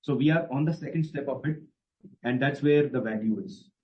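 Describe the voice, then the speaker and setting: An Indian-accented man with a mid-pitched voice answers as a senior executive. He explains in an emphatic, assertive way, off the cuff. The sound is dull and band-limited, like a conference line. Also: brisk, slight background noise. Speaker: company executive on an earnings call. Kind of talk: spontaneous explanatory answers to analysts.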